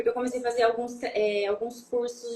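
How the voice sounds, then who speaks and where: A woman speaks at a high pitch. There is noticeable background noise. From interior of São Paulo state, Brazil (Fernandópolis). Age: 30s. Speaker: aesthetician. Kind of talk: interview. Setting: Instagram live.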